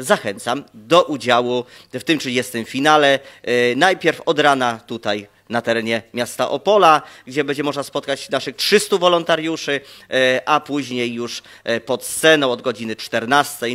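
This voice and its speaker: A man's bright, sharp tone at a fairly slow pace, with ordinary pitch variation against a quiet background. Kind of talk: interview answer. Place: shop. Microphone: handheld.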